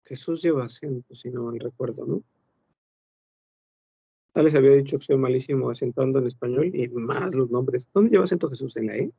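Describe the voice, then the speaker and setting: Gravelly man teaching a language class. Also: medium pitch, brisk, dark tone, no echo, dull audio. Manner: explanatory, rhetorical questions, self-correcting. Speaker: French teacher.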